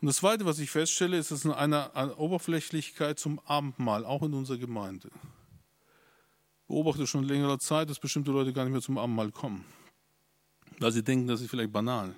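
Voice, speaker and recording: A man's voice: medium pitch, no echo. A pastor preaching a sermon to his congregation, emphatic and insistent at times, with hesitant restarts along the way. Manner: emphatic, rising to insistent peaks.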